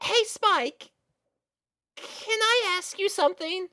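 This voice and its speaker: A woman's voice: very high-pitched, slow pace, pushed and bright, long reverb tail, pitched above the performer's own voice, heavily acted. A woman voicing a nervous young girl pony with a crush, stammering and gushing in a storybook reading. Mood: nervous, excited. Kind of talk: storybook character voice in a fan fiction reading.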